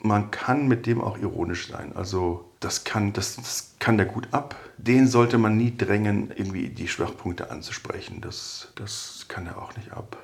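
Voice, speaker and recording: A man talking through personality types in a relaxed, conversational podcast style, adding anecdotes about former colleagues. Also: fairly low pitch, unhurried, creaky, few pauses. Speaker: podcast expert on personality development. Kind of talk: conversational explanation.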